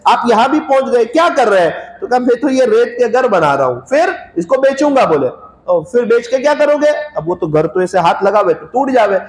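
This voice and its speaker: High-voiced man preaching in an echoey room. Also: very animated, brisk, hardly any pauses. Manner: tells a story, voicing its characters in quotes. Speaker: Islamic preacher. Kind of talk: sermon with storytelling. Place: religious gathering.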